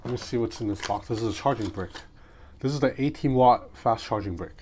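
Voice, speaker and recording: A man's voice: mid-range voice, fairly quick. A man giving an informal, off-the-cuff unboxing commentary, thinking aloud as he goes. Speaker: gadget reviewer. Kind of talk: casual unboxing vlog, hands-on commentary. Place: small room at home. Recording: clearly noisy small room with outside noise. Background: ambient street noise from outside.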